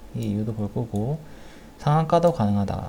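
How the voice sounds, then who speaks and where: A man's somewhat breathy voice has a dark, mellow tone and lively intonation, heard with audible room echo. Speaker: stock trading advisor. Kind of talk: lecture. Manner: slow.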